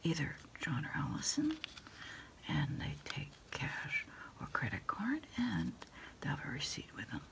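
A middle-aged woman whispers her way through an ASMR phone roleplay. Her delivery is very slow and halting, with a crisp, sibilant brightness to the hushed voice. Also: sits low, wildly swooping pitch. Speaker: ASMR roleplayer as takeout order taker. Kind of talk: ASMR roleplay, one side of a phone call. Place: small dim desk space indoors.

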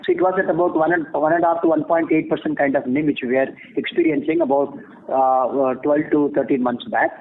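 Indian man, senior banking type, measured earnings-call answers, high register, thin telephone sound. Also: expressive. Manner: measured, formal, explanatory. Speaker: bank executive answering analysts. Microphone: phone conference call. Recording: tinny phone line with clear noise.

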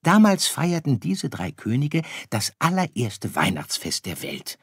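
A man voicing a caring, worried mother star who coaxes softly in an audiobook. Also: medium pitch, huge pitch swings, measured pace, breathy edge, dry recording, clean studio sound, pitched above the performer's own voice, exaggerated voice. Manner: soft, coaxing. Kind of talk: audiobook character voice.

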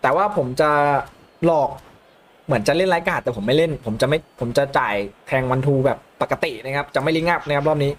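A young man commentating his own football video game match, calmly explaining tactics between loud excited outbursts. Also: a little high, fairly quick. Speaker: gaming YouTuber. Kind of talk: live gameplay commentary.

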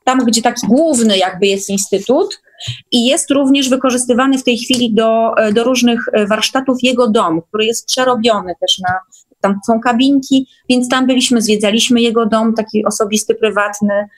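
A woman with a somewhat high voice speaks as a guest in an online meeting. She tells her experiences casually and chattily, often checking that her listeners agree. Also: normal speed, rough recording.

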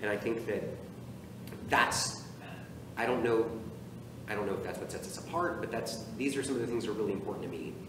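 A man's voice: fairly low pitch, brisk, pauses often. Man talking on an echoey stage. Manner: animated, talks with his hands, many restarts. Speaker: theater artistic director, guest. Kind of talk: casual interview chat. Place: theater stage. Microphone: far camera. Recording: echoey stage from far off with noise.

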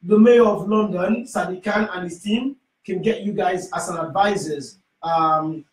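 A middle-aged man with a Sierra Leonean accent hosts a call-in radio show, his voice pitched notably high. He fills his sentences with "um" as he works toward each question. He sounds a little off-mic, with plenty of echo from the small studio. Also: a little slow, far from the mic. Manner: hesitant, many "um" fillers. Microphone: studio microphone, headphones.

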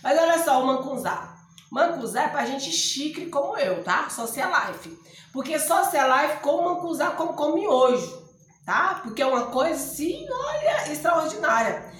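A middle-aged woman from Ceará with a northeastern Brazilian accent, hoarse, chatting and joking to camera in her home vlog. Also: high-pitched, sing-song, measured pace, a bit bright. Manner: joking, chatty, laughs often. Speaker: vlogger. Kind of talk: casual chat to camera. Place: small room indoors at home. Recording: echoey room.

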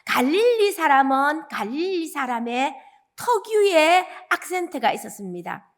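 A woman evangelist with a Gyeongsang accent, preaching a dawn service sermon as animated storytelling. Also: high-pitched, unhurried. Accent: Gyeongsang Korean. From Gyeongsang region, South Korea. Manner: animated storytelling, acting out quoted lines.

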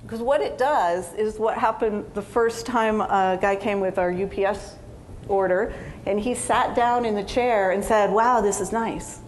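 Woman in her 40s, clinician speaker, middle pitch, relaxed talky lecture on stage. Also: unhurried, a little hiss or hum. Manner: conversational, with fillers and quoted asides. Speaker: physical therapist giving a conference talk. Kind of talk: conference lecture. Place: conference stage.

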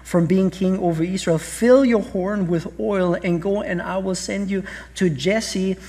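A man's voice: high-pitched, steady tone, a little slow, mellow. A middle-aged man with an Austrian accent, preaching a sermon on a church stage, earnest, with frequent restarts and rhetorical questions. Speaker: pastor. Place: large church stage with audience.

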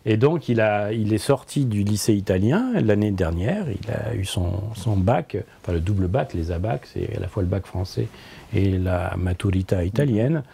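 Man, 60s, native French speaker, interview guest; low, dark, husky tone; reflective, hesitant delivery. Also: lively intonation. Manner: thoughtful, halting, frequent repetitions and hesitations. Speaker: interviewee, philosopher and translator. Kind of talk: conversational interview. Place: book-lined office, indoors.

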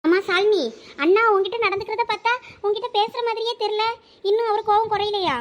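A woman's voice: extremely high pitch, steady tone, fast. A woman playing a chatty young village wife. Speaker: skit actor playing a young wife and her sister-in-law. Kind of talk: village family comedy skit.

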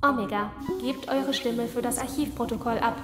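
A woman playing the measured, authoritative coordinator of a machine swarm in a science fiction audio drama, speaking formally and deliberately. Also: on the high side, steady tone, close to an everyday voice. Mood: measured, official. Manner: formal, deliberate, official diction. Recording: very echoey reverberant hall, music behind.

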